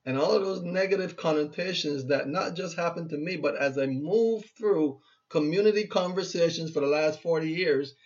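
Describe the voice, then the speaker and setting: A man's voice: on the high side, moderate pace, few pauses, a little mellow. A Barbadian man in his fifties giving an earnest motivational talk as a speaker and radio host, urging listeners and repeating himself for emphasis. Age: 50s. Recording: muffled lo-fi recording.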